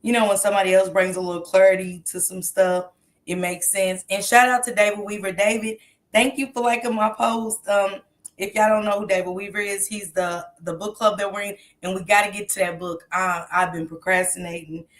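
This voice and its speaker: A woman with a stuffy nose hosts a casual true crime commentary livestream, chatting straight to her viewers with lots of ums. Her medium-pitched voice has a flat delivery and runs a little fast.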